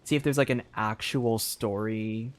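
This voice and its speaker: A man's voice: lowish voice, steady tone, unhurried. Rambling young man streaming a game. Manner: rambling, thinks aloud with many "like" fillers and restarts. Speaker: streamer playing a story game. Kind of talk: casual live-stream commentary.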